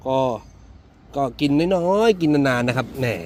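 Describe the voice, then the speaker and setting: A man's voice: medium pitch, lively intonation, a little slow, darkish tone, slight background noise. A man with a Central Thai accent, chatting casually as he shows a used car from the inside and jokes with viewers. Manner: chatty, talks to the viewers as older siblings, jokes at himself. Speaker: used car dealer presenting a car. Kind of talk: casual car walkaround vlog.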